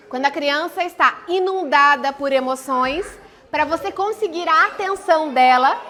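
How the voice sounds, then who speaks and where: A woman with a high, bright, forceful voice gives a live parenting talk. She explains conversationally, often posing a question and then answering it herself.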